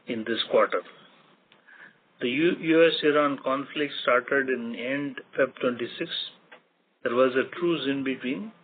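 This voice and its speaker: Over a thin, phone-like line with clear noise, a man with an Indian accent speaks at a middling pitch. He delivers a formal scripted earnings presentation as a company executive, measured and factual, setting out one figure after another.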